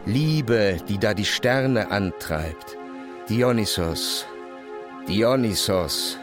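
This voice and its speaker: An actor performing solemn visionary epic poetry in a radio play, with a measured, incantatory delivery. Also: male voice, lowish voice, expressive. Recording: studio voice over music. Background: music.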